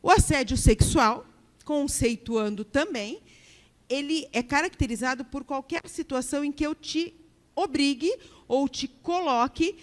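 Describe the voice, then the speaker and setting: High-voiced Brazilian woman lecturing in a hall. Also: unhurried. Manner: keeps checking in with the audience, acts out example remarks. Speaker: workplace harassment trainer. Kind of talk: live training lecture to an audience.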